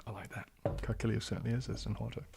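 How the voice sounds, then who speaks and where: A young man hosting a casual livestream Q&A, soft-spoken and often slipping into a whisper. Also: fairly low pitch, level tone, racing, vocal fry, noisy background. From New Zealand. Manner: soft-spoken, drifting into whispers, frequent restarts. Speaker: ASMR livestream host.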